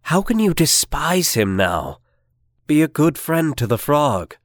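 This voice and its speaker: A woman voicing a kindly but stern old king in a storybook reading, speaking gently and firmly. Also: low-pitched, sing-song, a little slow, dry recording, clean studio sound, voice pushed down, heavily acted. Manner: gentle, firm, lecturing.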